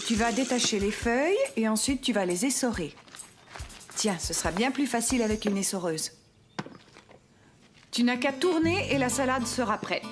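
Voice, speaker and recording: A woman voicing a gentle, patient mother in a French cartoon, speaking to a small child in an encouraging way. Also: on the high side, expressive, moderate pace, pauses often, very noisy, close to an everyday voice. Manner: gentle, encouraging, sing-song. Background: prominent music.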